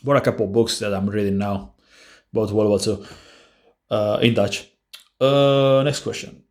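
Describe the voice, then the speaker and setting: A man's voice: lowish voice, fairly even intonation, normal speed. A man hosting a casual language-learning Q&A, answering viewer questions bluntly and offhandedly with frequent restarts. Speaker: language-learning channel host.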